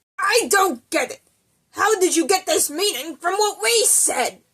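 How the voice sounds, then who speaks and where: Using a raspy, put-on character voice, a woman speaks at extremely high pitch and a moderate pace. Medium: comedy sketch. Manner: aggrieved, questioning.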